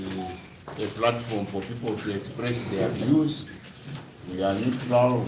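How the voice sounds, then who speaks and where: Against heavy noise, a low male voice sounds distant from the mic. He is a host giving halting welcome remarks at a press conference, in an echoey room. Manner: halting, searching for words. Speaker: media center host.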